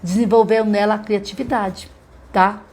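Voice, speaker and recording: A woman's voice: mid-range voice, fairly even intonation, normal speed, a little mellow. Chatty teacher woman. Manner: chatty, checks in with frequent tag questions. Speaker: literacy teacher. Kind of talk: live-streamed teaching talk.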